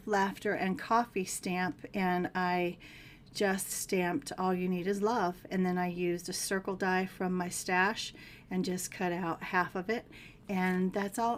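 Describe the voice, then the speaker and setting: A middle-aged woman with a scratchy, hoarse voice, chatting casually as she shows handmade cards and rambles through her steps. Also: fairly low pitch. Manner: chatty, rambling, restarts often. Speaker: card-making channel host. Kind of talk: casual crafting tutorial.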